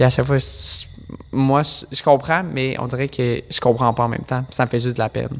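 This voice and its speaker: Speaking with a Quebec accent, a man keeps a medium pitch and fairly even intonation. He moves at a fairly quick pace. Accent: Québécois French. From Quebec City, Quebec. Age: 20s. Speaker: podcast guest. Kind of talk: personal interview.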